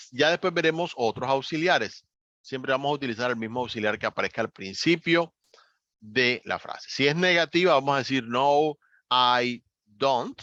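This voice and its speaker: A man's voice: mid-range voice, dry recording. Man, patient step-by-step teacher, dry muffled recording. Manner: patient, step-by-step explaining with lively rises on key words. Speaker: English teacher. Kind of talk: online class explanation. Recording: dull, slightly lo-fi dry recording.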